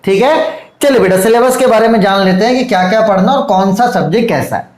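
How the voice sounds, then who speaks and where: Male online tutor, high voice, fatherly and coaxing, roomy echo. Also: animated, fast, a little mellow. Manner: coaxing, fatherly, calls students "beta"; repeats checks like "theek hai" and "dekho". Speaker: teacher. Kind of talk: online lecture to students.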